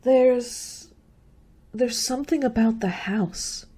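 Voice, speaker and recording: A young woman playing a frightened, pleading college girl in a suspense radio play, with halting, repetitive delivery. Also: on the high side, dark tone, husky. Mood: uneasy, fearful. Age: young adult. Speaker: radio drama actor.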